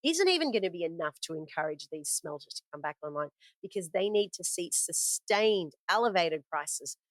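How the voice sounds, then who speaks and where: Female podcast host, low-ish voice, dry booth, chatty and unscripted. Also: animated, moderate pace, no echo, rough recording. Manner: conversational, with frequent fillers and self-corrections. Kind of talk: casual spoken market commentary from notes.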